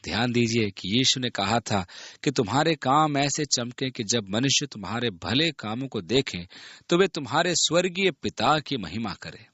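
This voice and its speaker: A man reads a Bible passage and explains it in an earnest, expressive way, his pitch rising and falling freely. His voice is bright and forward with a husky edge. The recording is dry and a little muffled. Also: moderate pace, no echo. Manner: earnest, expressive reading that voices the people in the story. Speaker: Bible teacher. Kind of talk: Bible reading and commentary.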